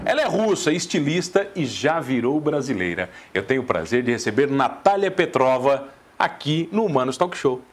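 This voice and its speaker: A man's voice: medium pitch, big pitch swings, music in the background. A man hosting a TV talk show, firing off teasing questions at his guest in a playful way. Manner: teasing, quick-fire questions. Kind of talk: playful interviewing. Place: TV studio.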